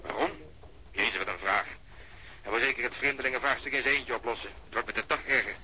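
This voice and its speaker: A grumpy, cynical police detective in a radio play. He speaks fast, gruff and sardonic, with clear noise on the recording. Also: mid-range voice, sharp tone. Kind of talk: radio drama acting. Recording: noisy radio drama recording.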